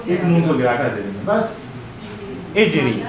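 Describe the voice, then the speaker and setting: A man's voice: mid-range voice, sing-song, a little slow, roomy sound, a crowd in the background, rough recording. A man teaching an Arabic grammar class in Urdu with a South Asian accent, quizzing his students and correcting their answers patiently. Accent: Urdu-speaking South Asian.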